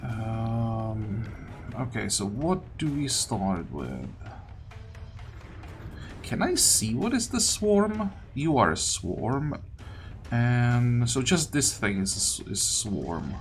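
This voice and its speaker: Male gaming host, mid-pitched, hesitant think-aloud delivery in casual commentary, prominent game music underneath. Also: very animated, takes it slowly. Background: video game music.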